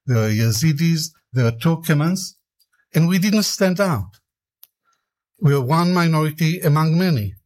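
An older Iraqi author answers interview questions reflectively, speaking in a measured, deliberate way and stacking his points into emphatic lists. His voice is slightly high with a darkish tone.

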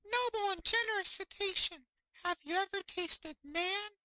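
A man voicing a small clever fish in a storybook reading, in a very high, squeaky put-on voice. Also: moderate pace, sharp tone, no room sound, full character voice, low-quality recording.

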